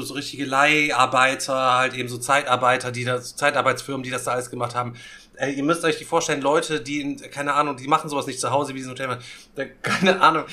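Aufgedrehter Mann mit heller Stimme. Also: male voice, medium pitch. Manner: crude, excitable storytelling, slips into loud impressions. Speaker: podcast co-host. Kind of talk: casual storytelling chat.

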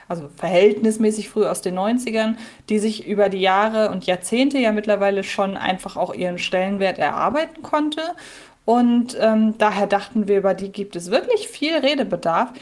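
A woman in her thirties co-hosting a podcast in casual chat, chatty and quick to laugh, with frequent fillers. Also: mid-range voice, darkish tone. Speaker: podcast co-host.

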